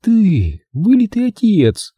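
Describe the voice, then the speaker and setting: A man voicing a gentle, anxious mother who speaks softly in an audiobook. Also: sits high, huge pitch swings, moderate pace, husky, no echo, clean studio sound, pitched above the performer's own voice, heavily acted. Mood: tender. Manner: soft, worried, pleading.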